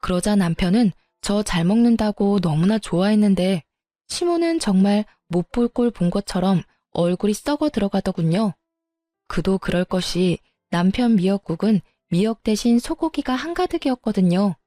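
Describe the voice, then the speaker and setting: Woman telling a family drama story, calm and even, mellow dark voice, dry sound, soft music. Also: mid-range voice, normal speed, no echo. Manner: even, storytelling, politely firm in quoted lines. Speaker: narrator. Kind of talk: first-person drama story narration.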